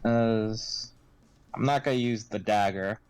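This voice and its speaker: A man's voice: on the low side, unhurried, a little mellow, clean tone, dry recording, soft background music. A man playing a tabletop game, speaking in character in an easygoing, offhand way. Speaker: player. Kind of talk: casual chat in character.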